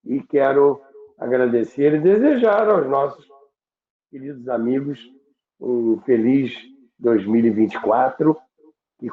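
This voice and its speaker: A Brazilian man hosts a show, addressing viewers in a courteous, unscripted way. His speech is slow and measured. The sound is roomy and thin, like a phone line. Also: mid-range voice. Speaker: radio history show host.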